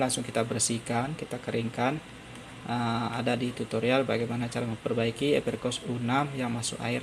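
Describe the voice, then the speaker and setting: A man's voice: mid-range voice, vocal fry, noisy background. A man narrates a hands-on repair tutorial, explaining step by step and repeating his points. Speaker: phone repair tutorial presenter.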